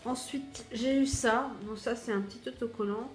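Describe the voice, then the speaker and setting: A woman's voice: on the high side, fairly even intonation, moderate pace. A French-accented woman chatting casually through a beauty box unboxing, hesitant and full of fillers. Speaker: beauty vlogger. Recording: echoey room with faint music.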